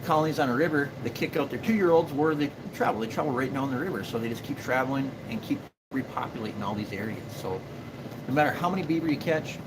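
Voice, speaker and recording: This Minnesota man in his forties, a beaver trapper who hosts a livestream, speaks fast and expressively at a medium pitch with an Upper Midwest accent. He rambles casually while answering viewers, full of fillers and restarts, and there's noise in the background.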